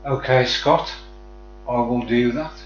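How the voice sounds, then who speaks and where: Here he speaks at medium pitch in a steady tone, taking things slowly over slight background noise. He's a Black Country–accented man from the West Midlands, England, chatting casually and matily with viewers on a live stream. The audio is dull and echoey, with faint music behind him.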